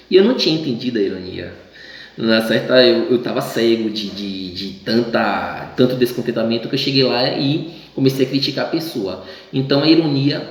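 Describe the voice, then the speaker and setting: A male teacher from Bahia, Brazil, giving a casual class lesson, stumbling and restarting often and acting out the voices he quotes. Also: fairly low pitch. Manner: chatty, acts out quoted voices, many restarts. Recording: very echoey room.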